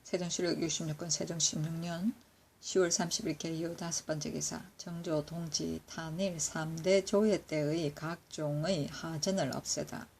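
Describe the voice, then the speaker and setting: Woman, low register, steady archival reading with faint noise behind; measured recitation, catches her own slips. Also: creaky. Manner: steady, measured recitation with occasional self-corrections. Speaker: reader of historical records. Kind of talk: reading court annals aloud.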